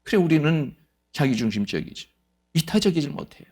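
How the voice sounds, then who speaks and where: A man preaching a sermon as pastor of a church, lively and playful, acting out quoted voices. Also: fairly high pitch, fairly quick, slightly rough. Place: church sanctuary.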